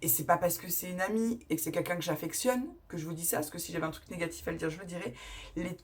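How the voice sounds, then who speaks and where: A woman's voice: on the low side, quick pace, breathy edge. A woman talking casually in a haul vlog, chatty and rambling, often correcting herself as she shows her crafting purchases. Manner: chatty and rambling, with frequent self-corrections and laughs; enthusiastic, showing items to the camera. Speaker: scrapbooking vlogger.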